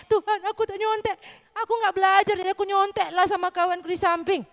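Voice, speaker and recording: A woman's voice: extremely high pitch, level tone, fast talker, voice pushed up. A woman voicing a young girl who sheepishly confesses her naughtiness in prayer. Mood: sheepish pleading. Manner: earnest, sheepish pleading.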